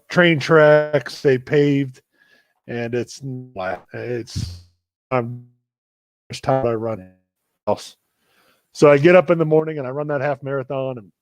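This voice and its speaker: A man hosting a live video chat, telling a story in a relaxed, self-deprecating way. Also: medium pitch, slow, pauses often, no room sound. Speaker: running coach and show host.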